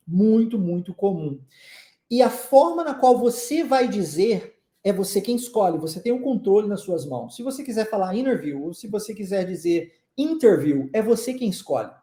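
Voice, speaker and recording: A man's voice: high voice, mellow, reverberant. A Brazilian man teaching English in an online lesson, speaking emphatically, repeating key phrases and checking in with his listeners. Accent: Brazilian Portuguese.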